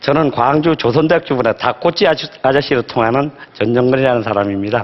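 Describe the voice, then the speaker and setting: The speaker has a Jeolla accent and talks at a fairly quick pace. Loudness stays very even, with ordinary pitch variation. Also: man, medium pitch for a man. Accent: Jeolla dialect, picked up over long residence. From Gangwon Province, South Korea. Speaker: street food vendor. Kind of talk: lecture. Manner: plain, halting conversational.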